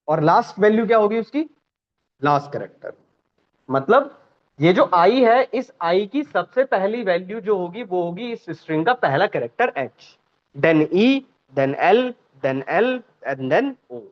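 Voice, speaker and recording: A man teaching a programming class, questioning students and repeating points slowly. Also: sits high. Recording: dull lo-fi sound.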